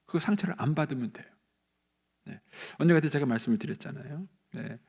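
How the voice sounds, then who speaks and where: A male pastor delivers a sermon in a church, his voice gravelly and slightly husky. He preaches in an animated storytelling way, acting out the people he quotes and leaping upward in pitch when he stresses a point. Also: fairly quick. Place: church sanctuary.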